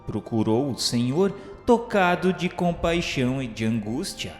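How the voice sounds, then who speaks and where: A man's voice: medium pitch, expressive, measured pace, a little mellow. A Brazilian man reading solemn scripted narration for a radio drama in a formal, declamatory way. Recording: echoey reverberant hall sound, music underneath.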